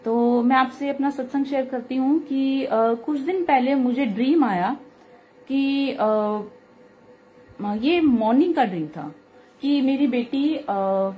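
Woman with a high voice and a sore throat, talking slow and earnest, telling a devotional story. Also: dark tone, faint music behind. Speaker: devotional speaker sharing a satsang. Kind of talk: casual spoken testimony.

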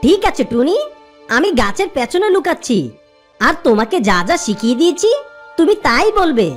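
An extremely high, highly animated goat from a children's cartoon acted by a woman. The goat is clever, sure of itself and emphatic, over background music. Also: moderate pace. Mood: reassuring, confident. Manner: confident, emphatic, theatrical. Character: clever, helpful goat who bluffs as jungle king.

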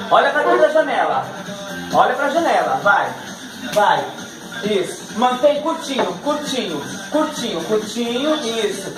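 A middle-aged man with a Brazilian accent leads an exercise class for older pupils, counting and cheering them on between laughs. He is picked up by a camera across an echoey living room. Music plays steadily behind him. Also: sits high. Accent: Brazilian Portuguese. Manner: upbeat counting and cueing, frequent laughs. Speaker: fitness instructor.

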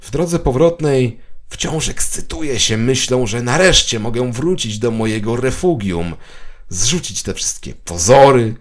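A man's voice: medium pitch, lively intonation, measured pace, natural voice. A man playing a paranoid, suspicious office worker in an audio drama monologue, obsessive, conspiratorial and bitterly sardonic. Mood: weary, bitter. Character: paranoid, suspicious male office worker narrating his dreary day.

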